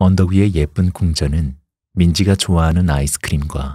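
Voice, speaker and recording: A man with a very deep, low pitch, a dark, mellow and soothing, gentle tone, somewhat breathy, with ordinary pitch variation. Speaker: audiobook narrator. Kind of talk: bedtime story reading aloud (audiobook narration). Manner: soft, slow, soothing and gentle, lulling the listener to sleep.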